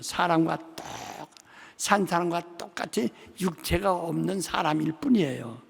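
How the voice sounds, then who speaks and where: A man's voice: a little high, creaky, darkish tone, breathy edge. An older male pastor preaching a sermon in a large church, telling stories animatedly and acting out the dialogue. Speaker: senior pastor. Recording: long reverb of a large sanctuary.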